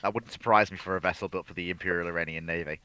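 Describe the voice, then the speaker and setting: Bright, forceful man in casual discussion. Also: deep voice, fairly even intonation, rapid-fire, clean tone, dry recording. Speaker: panel co-commentator.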